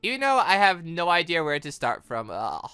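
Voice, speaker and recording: A man's voice: fairly high pitch, huge pitch swings, normal speed, sharp tone, clean tone, dry recording, soft background music. A man giving casual, rambling commentary over a game playthrough, reading dialogue and reacting with stammering asides. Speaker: gaming video host.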